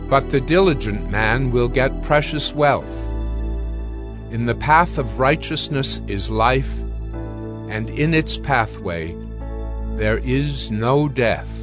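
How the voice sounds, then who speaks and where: A man of medium pitch reads scripture as a narrator. He goes slowly and deliberately, with a declarative delivery suited to a dramatized audio Bible. Music plays clearly underneath. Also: expressive. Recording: instrumental music bed. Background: instrumental music.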